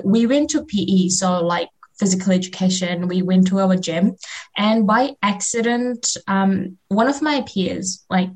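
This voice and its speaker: A young woman speaks with a Fiji Indian accent, Fiji Hindi being her first language. Her voice sits at a middle pitch. She talks informally about personal experience, with hesitant phrasing, as a guest in a radio interview. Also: rough recording.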